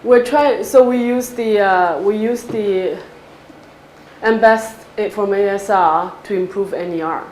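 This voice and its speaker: A woman with a Cantonese accent, fielding audience questions after her lecture and explaining with quick examples. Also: medium pitch, a little mellow. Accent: Cantonese-accented English. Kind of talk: academic Q&A after a talk. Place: lecture hall. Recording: echoey lecture hall with faint noise.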